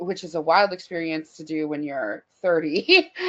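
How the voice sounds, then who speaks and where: At a moderate pace, a woman with a Canadian accent has an ordinary speaking voice, fairly low in pitch. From Northwestern Ontario, Canada. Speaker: theatre artist, playwright and performer. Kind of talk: interview answer. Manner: casual, reflective.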